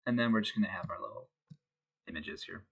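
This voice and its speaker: A man with a congested voice from a head cold, talking through a web coding tutorial in a relaxed way with many fillers. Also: lowish voice, fast talker, creaky, husky, dull audio. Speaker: web design instructor. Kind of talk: screen-recorded coding tutorial.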